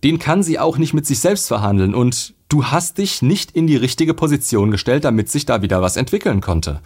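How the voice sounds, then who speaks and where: A man's voice: mid-range voice, big pitch swings, brisk, darkish tone, breathy edge. A man reading out a viewer's letter and answering it with blunt, lecturing dating advice.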